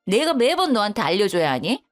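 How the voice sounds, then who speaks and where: A woman voicing a sulky, sharp-tongued widowed older mother-in-law who grumbles bluntly and pities herself. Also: medium pitch, very animated, a little fast, faint music behind, lightly acted. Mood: indignant. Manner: blunt, grumbling, self-pitying.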